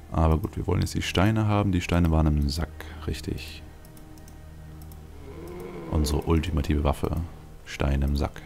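A man with a very deep voice full of vocal fry talks through a video game. He rambles casually, thinking aloud as he plays. Game music runs clearly behind him. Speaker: let's play host. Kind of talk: casual gameplay commentary.

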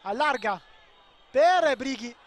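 A man giving excitable live football commentary, swinging between clipped calls and drawn-out shouts. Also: extremely high pitch.

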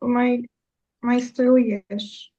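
A schoolgirl answers slowly and hesitantly in a mellow, fairly high voice. The sound is dull and lo-fi, like online call audio. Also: little pitch movement. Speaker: pupil.

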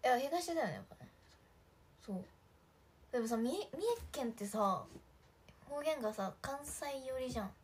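A woman's voice: a little high, lively intonation, moderate pace, long pauses, a little hiss or hum. A young woman chatting casually on a livestream, giggling often and talking to viewers' comments. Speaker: idol livestream host.

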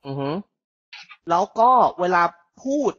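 A man teaching an online IELTS speaking class, coaching and giving slow, clear model answers. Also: fairly bright tone, no room sound, lo-fi sound. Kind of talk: live online language lesson.

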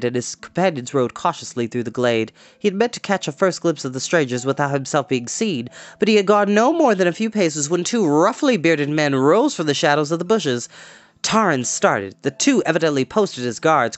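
This storytime host is a man in his twenties who reads a storybook expressively, adding casual asides, from a small room indoors at home. His voice leans high. There's no room sound.

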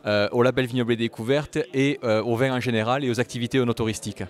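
A man's voice: medium pitch, fairly even intonation, quick pace. A man in his thirties from a tourism office, speaking formally into a handheld mic.

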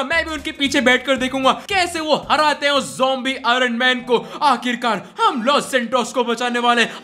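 A man talks viewers through his game video in excitable, chatty commentary. His voice is high for a man, with a bright, forceful edge. The narration rushes along with playful energy. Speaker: gaming YouTuber. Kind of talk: Hindi gameplay commentary.

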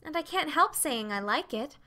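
A woman's voice: high-pitched, expressive, normal speed, bright, forceful tone, voice pushed up. A woman voicing a bashful, earnest teenage girl confessing to her mother in a storybook reading. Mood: pleading.

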